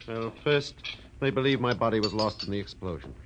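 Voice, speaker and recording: A man's voice: lowish voice, lively intonation, fairly quick, lo-fi sound, lightly acted. Actor as wheezy, nervous businessman. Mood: anxious, explaining. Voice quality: wheezy, coughing smoker's voice. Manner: nervous, urgent, fussily polite. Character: anxious, fussy, wheezing male cosmetics businessman. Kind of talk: 1940s radio drama acting. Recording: noisy vintage 1940s radio broadcast.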